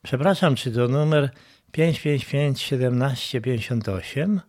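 A man's voice: mid-range voice, measured pace, darkish tone, voice pushed up, close to an everyday voice. A man voicing a kind older woman on the phone who soothes and reassures. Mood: apologetic.

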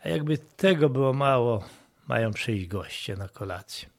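A man's voice: mid-range voice, expressive, normal speed, gravelly. A man voicing a harried young mother who complains tearfully about a bad day.

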